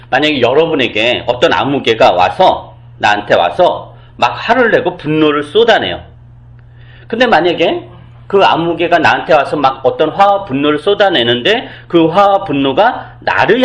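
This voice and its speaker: Lively, questioning Korean pastor. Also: male voice, a little high. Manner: explains by asking rhetorical questions, acts out quoted speech. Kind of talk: conversational sermon.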